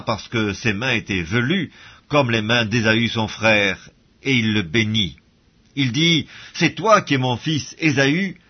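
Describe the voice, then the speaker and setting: Husky man reading scripture, dull recording. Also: mid-range voice. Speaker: Bible reader.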